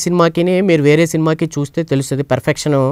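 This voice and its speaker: Intonation stays fairly even, and the sound is dry with no echo over a quiet background. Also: man. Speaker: cinematographer; guest. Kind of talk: interview. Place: studio. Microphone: lapel.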